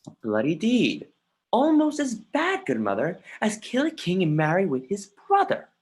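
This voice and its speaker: A husky, mid-pitched voice plays an anguished young prince in an actor's stage reading. The delivery is declamatory Shakespearean verse, accusing and scornful. It moves between muttering and outbursts, with the odd stumble over a line. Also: wildly swooping pitch, moderate pace, full character voice. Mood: agitated, accusing. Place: remote livestream from home.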